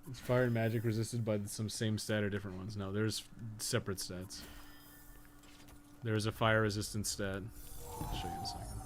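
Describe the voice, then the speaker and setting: A man's voice: fairly low pitch, level tone, moderate pace, slight background noise. A man live-streaming a video game with casual, slangy commentary, swearing freely and sometimes muttering to himself as he plays. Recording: music behind the voice. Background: music.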